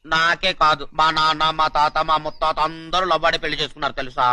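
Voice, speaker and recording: A man's voice: fairly high pitch, level tone, a little fast, bright, forceful tone. An actor playing a naive, dim-witted young male servant who is proud of his own cleverness, in a film comedy. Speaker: simple-minded servant.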